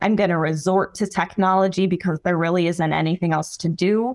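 Fairly quick speech from a woman, fairly low in pitch, with fairly even intonation. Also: quiet background. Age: 20s. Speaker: digital marketer and content creator. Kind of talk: casual interview chat. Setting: remote video call. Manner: measured, thinks before talking.

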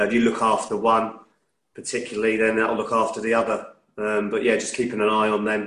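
A man speaks at a fairly quick pace in a flat monotone, his pitch medium. Audible echo from the room surrounds his voice. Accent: southern English. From Sussex, southern England. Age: 40s. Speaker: military veteran, coaching client. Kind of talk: personal testimony.

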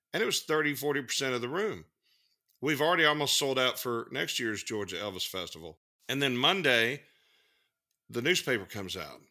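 On a very clean recording with a silent background, the bright, sharp voice moves at a moderate pace with very wide pitch swings, vocal fry and long, frequent pauses. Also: man, medium pitch for a man. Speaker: podcast co-host, enthusiast of a famous singer. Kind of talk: casual chat. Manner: enthusiastic, upbeat.

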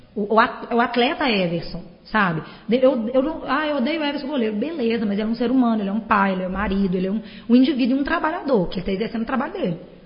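Loud and animated, a woman talks very fast at a fairly high pitch over noticeable background noise. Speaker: teacher and football commentator. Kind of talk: casual chat.

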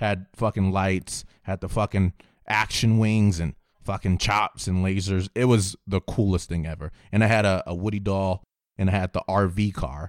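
This man has an unremarkable speaking voice, fairly low in pitch, with fairly even intonation at a moderate pace. The recording is very clean and dry, close with no echo, over a silent background. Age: 20s. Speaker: podcast co-host. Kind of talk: casual chat.

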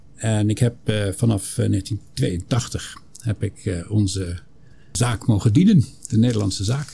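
A man's very slow, dark, mellow delivery with vocal fry and ordinary pitch variation. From Netherlands, raised partly in Luxembourg and Belgium. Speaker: retired ambassador. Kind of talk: interview. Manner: hesitant with many filler sounds.

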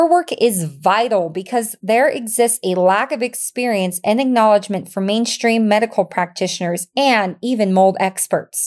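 A woman at a fairly high pitch and moderate pace, with ordinary pitch variation and an ordinary speaking voice, on a very clean recording with a silent background. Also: hardly any pauses. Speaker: podcast co-host. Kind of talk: scripted ad and intro reading.

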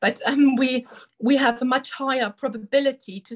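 Someone speaks with a German accent at a fairly slow pace. The sound is dry and close, with no echo. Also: woman. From Germany. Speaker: doctor and menopause specialist. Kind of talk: interview.

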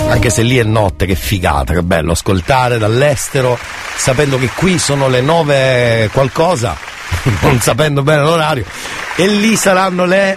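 An animated man at medium pitch and moderate pace, with very wide pitch swings, very even loudness and noticeable background noise. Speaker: radio host. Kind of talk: casual chat. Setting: studio.

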